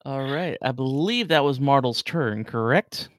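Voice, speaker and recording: A man running a tabletop game as game master, describing monsters in a relaxed way with filler words. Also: mid-range voice, measured pace, no echo, studio quality.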